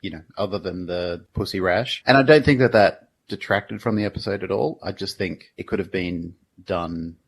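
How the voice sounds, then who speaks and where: Deep, gravelly, husky man chatting. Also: moderate pace, hardly any pauses. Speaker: podcast co-host. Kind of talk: casual opinionated TV discussion.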